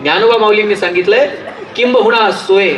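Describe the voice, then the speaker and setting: A man's voice: high-pitched, brisk, fairly bright tone, a little hiss or hum. A man with a Marathi accent giving a public speech to a live audience, telling humorous anecdotes in an emphatic storytelling manner. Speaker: motivational speaker. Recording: roomy hall, distant mic, faint crowd.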